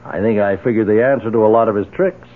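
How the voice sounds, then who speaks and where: An actor playing a shrewd, confident, dryly amused investigator in a 1970s radio drama. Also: male voice, on the low side, quick pace. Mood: knowing, assured. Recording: muffled phone-like 1970s radio recording.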